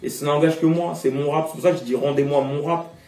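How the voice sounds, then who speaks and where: Passionate rapper from French Guiana, roomy sound. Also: male voice, a little high, steady tone, fast, warm tone. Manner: passionate, emphatic, outspoken. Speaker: rapper interviewee. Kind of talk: interview. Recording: roomy echo, distant mic, faint music.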